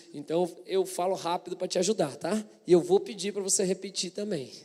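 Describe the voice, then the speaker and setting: A man's voice amid noticeable background noise. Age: 40s. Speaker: pastor. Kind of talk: sermon. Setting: church. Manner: fast.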